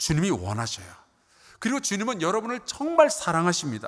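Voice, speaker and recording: A man talks against a quiet background. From South Korea. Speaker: pastor. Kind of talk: sermon. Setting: church. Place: church. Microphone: headset.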